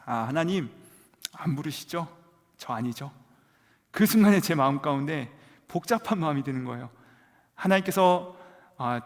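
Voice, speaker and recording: A man preaching a testimony sermon, telling his story with acted prayers and quoted words. His voice sits fairly high for a man, and it swings between quiet low asides and loud, cried-out moments. A long reverb from the church sanctuary trails after every phrase. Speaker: pastor.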